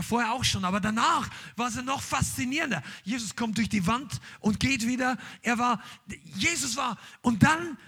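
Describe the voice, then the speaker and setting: Male preacher, middle-aged, charismatic sermon style; lively sing-song delivery, husky tone. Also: extremely high pitch. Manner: emphatic, mixes in English words, shouts interjections. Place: church hall with congregation, streamed online.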